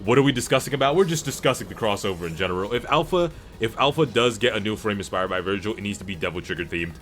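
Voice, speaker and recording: A man's voice: fairly low pitch, lively intonation, fast, a bit bright. A man hosting a casual gaming livestream, reading and answering chat in a rambling, slangy, profane and emphatic way. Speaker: livestream host. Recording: music playing behind the voice. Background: background music.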